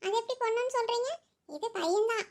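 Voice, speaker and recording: A woman voicing a young pregnant wife in a cartoon, longing for her husband who has been away. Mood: longing, teasing. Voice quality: very high and quick. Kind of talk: cartoon voice acting.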